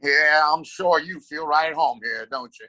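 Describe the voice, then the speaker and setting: A man's voice: on the high side, normal speed, pushed and bright. A man playing a domineering, scornful wealthy father and town boss in a Western audio play, condescending and commanding. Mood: haughty.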